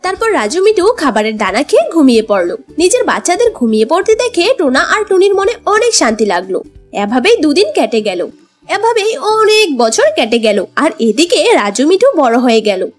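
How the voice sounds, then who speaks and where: A woman's voice: sits high, sing-song, normal speed. A woman narrating a scripted cartoon story as the storyteller. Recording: music bed under the voice. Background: background music.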